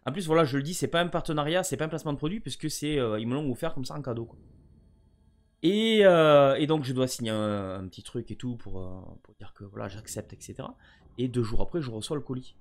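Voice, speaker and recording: A man's voice: mid-range voice, fast. A French man chatting casually to camera about a gift, often rambling and stammering over his words. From France. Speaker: gaming vlogger.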